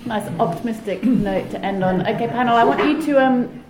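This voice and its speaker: Brisk woman moderator, roomy hall. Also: fairly high pitch, background noise. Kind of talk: panel moderation.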